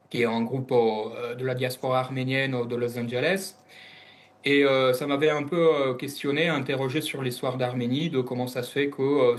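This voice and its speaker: Man from italy, interview guest, hesitant, lots of fillers, mid pitch. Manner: hesitant, many fillers and restarts. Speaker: guest analyst. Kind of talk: interview answers.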